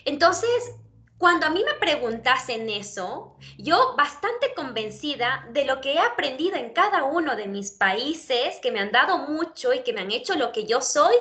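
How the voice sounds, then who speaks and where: A woman teaching over a video call in a high, bright voice. She explains ideas patiently and keeps asking whether she is being understood, with plenty of thinking fillers between phrases. She sounds like a lecturer working through a concept step by step. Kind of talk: explaining theory in an online class.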